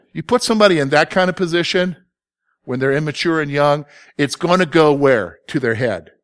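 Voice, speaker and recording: A man with a plain, everyday voice speaks fairly quickly at a fairly high pitch, his intonation lively. The recording is very clean, with a silent background. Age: 50s. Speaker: pastor. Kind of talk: Bible teaching to a church class. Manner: conversational, asks the audience questions.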